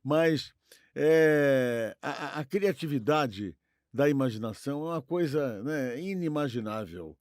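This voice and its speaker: A Brazilian man with a Brazilian Portuguese accent co-hosts a podcast, casually discussing radio history in a discursive way, repeating himself and seeking agreement with tag questions. His medium-pitched voice is darkish with lively intonation and a measured pace. The recording is dry with clean studio sound.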